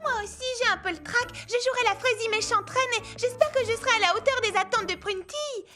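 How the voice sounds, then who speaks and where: A woman voicing an eager, expressive young amateur actress in a children's cartoon. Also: extremely high pitch, a little fast, music in the background. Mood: nervous. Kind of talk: French-dubbed children's cartoon acting.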